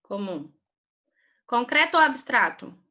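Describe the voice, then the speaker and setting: A female primary school teacher leads an online lesson over a video call. She goes through grammar terms patiently and repeats words slowly for the children. Her voice is bright and clear and sits fairly high. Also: very animated.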